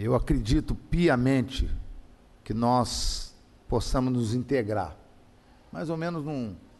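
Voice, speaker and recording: A man speaks at a very slow pace in a medium pitch with ordinary pitch variation. Long pauses come often. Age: 60s. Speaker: physician, academy member. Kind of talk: formal address in academic session. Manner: formal.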